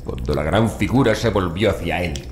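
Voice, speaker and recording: A man narrating a horror audiobook in a measured, dramatic way with deliberate pauses. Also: low-pitched, expressive. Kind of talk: scripted horror story narration. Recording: roomy echo, faint background noise.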